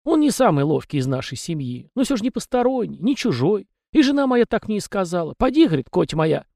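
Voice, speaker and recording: A man's voice: high voice, very animated, fast talker, creaky, mellow, no echo, clean studio sound, voice pushed up, full character voice. A man voicing a small, talkative male house spirit with rustic, folksy peasant speech. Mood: chatty folksy.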